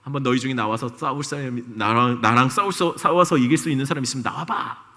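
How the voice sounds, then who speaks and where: Man putting on a scornful giant warrior, mocking taunts, deeper voice, echo of a big hall. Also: fast, bright, forceful tone. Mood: jeering.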